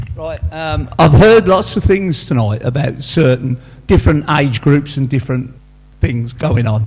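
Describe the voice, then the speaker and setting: Noticeable background noise sits behind a man of medium pitch who speaks with lively intonation at a fairly slow pace. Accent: Birmingham. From Birmingham, Nechells. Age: 70s. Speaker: pensioner, local resident. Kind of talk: public meeting question. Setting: church hall with audience, microphone.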